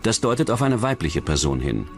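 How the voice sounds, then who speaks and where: A man's voice: fairly low pitch, very animated, brisk. A man narrating a true-crime documentary in a scripted style. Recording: music bed under the voice.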